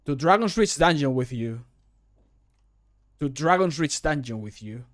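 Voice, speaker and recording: A man voicing a stern, authoritative guard from a fantasy game, speaking in a measured, commanding way. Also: medium pitch, animated, close to an everyday voice.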